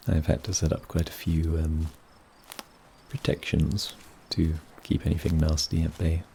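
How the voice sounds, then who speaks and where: A man playing a gentle, wary and kindly forest mage in a fantasy ASMR roleplay, soft-spoken and a little hesitant. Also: very deep voice, creaky, slight background noise, heavily acted. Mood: welcoming, protective.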